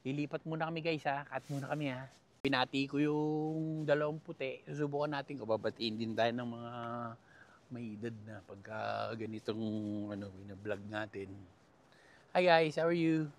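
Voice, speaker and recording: A man's voice: mid-range voice, fairly even intonation, moderate pace. A man from the Philippines hosting a casual travel vlog, joking and laughing as he talks straight to his viewers while walking outdoors along a river. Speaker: travel vlogger.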